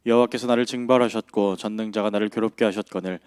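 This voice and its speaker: A man reading a scripture passage aloud in a measured, formal way. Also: lowish voice, fairly even intonation, darkish tone, clean tone, no echo, studio quality.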